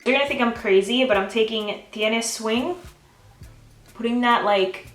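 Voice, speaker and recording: A woman's voice: fairly high pitch, measured pace, far from the mic, faint music behind. Bubbly young woman, echoey room. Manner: bubbly, gushing, talks to viewers as guys. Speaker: beauty vlogger. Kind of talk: casual chatty makeup tutorial. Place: home, filming herself.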